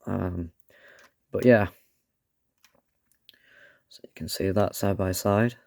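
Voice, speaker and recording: A man reviewing a toy with a croaky voice from a cold, rambling and dropping sarcastic asides. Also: low-pitched, fairly even intonation, slow, darkish tone, no echo, studio quality. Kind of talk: casual product review.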